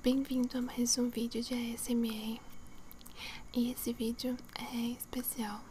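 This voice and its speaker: A young adult woman whispering breathily in ASMR style, close to the mic, soothing and softly repeating words to relax the listener. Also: on the high side, flat delivery, a little slow, slight background noise. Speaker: ASMR video host. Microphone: close to the mic, face near camera.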